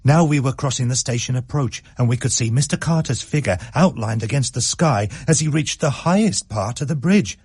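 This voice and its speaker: Slightly husky, animated male storyteller. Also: medium pitch, moderate pace, few pauses, no echo, studio quality. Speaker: narrator. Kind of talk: scripted story reading.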